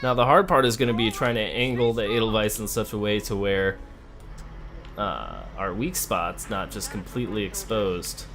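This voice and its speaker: A man's voice: lowish voice, moderate pace, a bit bright, soft background music. A man giving casual let's play commentary on a video game, thinking aloud and talking to the characters as he plays. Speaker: gamer playing a video game.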